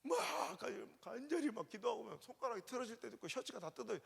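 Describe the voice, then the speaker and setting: A man in his forties preaching an emotional revival sermon, swinging between hushed tones and impassioned shouts. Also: very high voice, lively intonation, quick pace, creaky, slightly rough. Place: church sanctuary. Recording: long reverb of a church sanctuary.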